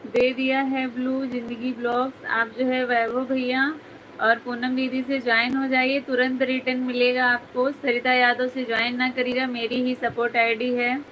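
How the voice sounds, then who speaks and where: High, bright-voiced woman chatting on a live stream. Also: level tone, normal speed, slight background noise, rough recording. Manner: chatty, giggly, teasing viewers by name. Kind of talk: casual live-stream chat reading viewer comments.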